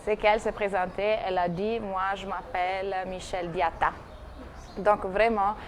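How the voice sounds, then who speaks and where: A woman's voice: medium pitch, fairly even intonation, normal speed. Woman on a tv talk show telling a story, lots of euhs and restarts, faint background noise. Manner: hesitant, many fillers and restarts. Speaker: TV segment presenter. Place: TV studio. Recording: TV studio broadcast with faint noise.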